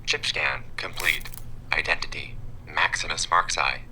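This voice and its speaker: An extremely deep, sharp-edged machine voice for a sci-fi audio drama checkpoint. It is impassive and formulaic, announcing in clipped phrases over faint noise. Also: male voice, unhurried, full character voice, rough recording.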